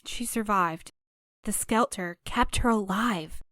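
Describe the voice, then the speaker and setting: A conciliatory female courier in an audio drama. Her medium-pitched voice is recorded dry and close, and she speaks carefully and reasonably as the group's peacemaker. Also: slow pace, a bit bright, dry recording. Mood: earnest.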